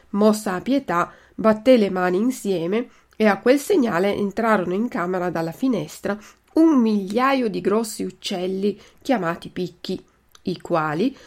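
A woman reading a fairy tale aloud in an expressive way, speaking directly to her listeners. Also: medium pitch. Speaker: storyteller.

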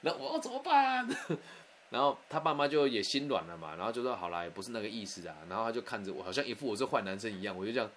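A man rattles through a personal anecdote at a quick clip. He is candid and animated, talking as if to a friend. His voice sits on the lower side, with a faint hiss of background noise. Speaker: storyteller.

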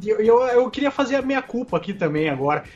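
Participante homem, brincalhão, voz aguda, áudio meio abafado, música baixa. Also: male voice, very high voice, big pitch swings, fast, a little mellow, muffled recording, faint music behind. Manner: joking, stammers on restarts. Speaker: podcast panelist. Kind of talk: casual podcast chat.

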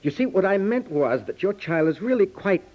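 Flustered ad man, highish voice, stammering, ingratiating, backpedaling, 1950s radio comedy, muffled old recording. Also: very animated, normal speed. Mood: nervous, placating. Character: nervous, smooth-talking ad man backpedaling, flattering, placating.

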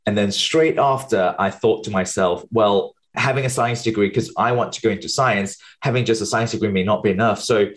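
A man from Malaysia in his thirties, a research scientist, answering interview questions in fast explanatory bursts. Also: lowish voice.

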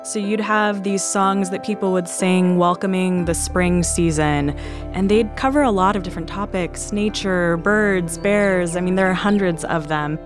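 A woman's voice: on the low side, normal speed, over music. A woman from California, a journalist being interviewed, explaining things in a plainspoken conversational way. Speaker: journalist guest.

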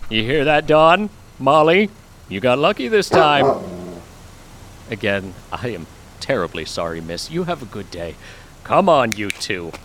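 An actor playing a courteous, folksy older local man in an audio drama, speaking with unhurried, old-fashioned politeness. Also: medium pitch, very animated, a bit bright, a little hiss or hum. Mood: apologetic, folksy.

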